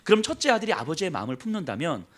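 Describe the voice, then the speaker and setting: Male pastor, sermon delivery; high, animated voice, brisk storytelling with acted asides. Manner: lively storytelling, acts out quoted voices, drops to soft low emphasis.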